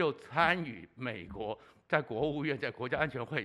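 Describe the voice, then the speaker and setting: His voice has a bright, sharp tone. The man talks at a very slow pace. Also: quiet background. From Taiwan. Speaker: political commentator. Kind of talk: solo political commentary. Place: studio. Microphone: studio mic.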